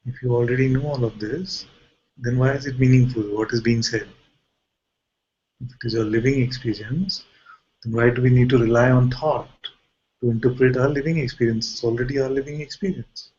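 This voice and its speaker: Man, spiritual teacher, probing questions, unscripted pauses, lower-fidelity muffled recording. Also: fairly even intonation, darkish tone. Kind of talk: informal guided spiritual dialogue.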